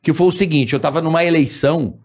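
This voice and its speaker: A man hosting a casual chat, telling an animated story and acting out the voices of the people in it. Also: a little high, quick pace. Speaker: podcast host.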